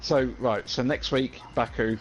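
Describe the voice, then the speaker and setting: A man's voice: medium pitch, fairly even intonation, measured pace, lo-fi sound, soft background music. A man interviewing racers over voice chat in a casual, bantering style. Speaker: co-host interviewer. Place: voice chat from separate remote locations.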